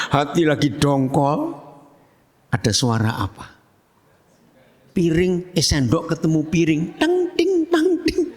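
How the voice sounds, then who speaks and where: A man preaching a sermon as pastor, lively and humorous, often asking his congregation questions. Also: a little high. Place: church hall. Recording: long church hall reverb.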